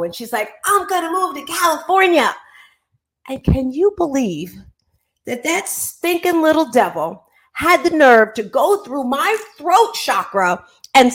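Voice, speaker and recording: A woman with a fairly high voice hosts an online show. She is animated and playful, given to exclamations, and talks in an informal, motivational style. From Caribbean. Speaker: talk show host.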